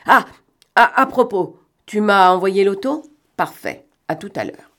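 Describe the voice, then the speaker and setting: A woman reading aloud and voicing a cunning male gentleman thief who talks in a mocking, bantering way and snaps out brisk orders. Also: medium pitch, expressive. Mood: commanding. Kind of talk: audiobook reading.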